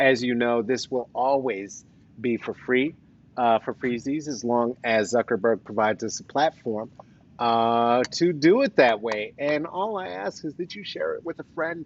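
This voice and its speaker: Here a man talks with lively intonation at a medium pitch. His pace is fairly slow. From Colorado, United States. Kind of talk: casual, podcast.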